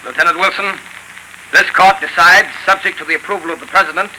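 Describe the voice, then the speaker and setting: An actor playing an army captain formally reading out a court's findings, in 1930s radio drama acting. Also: male voice, high voice, steady tone, fast, bright, forceful tone, poor audio. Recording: hissy 1930s radio broadcast recording.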